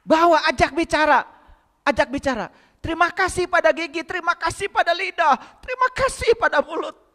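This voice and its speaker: A man's voice: very high-pitched, animated, brisk, fairly bright tone, in a large hall. A man giving a spiritual lecture to a congregation, often asking them rhetorical questions and speaking to them directly. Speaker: religious lecturer.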